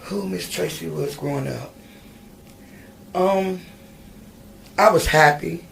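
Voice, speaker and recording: Gravelly-voiced woman telling her story. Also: fairly low pitch, takes it slowly, a little hiss or hum. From Virginia, USA. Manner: hesitant, many ums and restarts. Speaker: guest. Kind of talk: personal storytelling in an interview. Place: podcast studio.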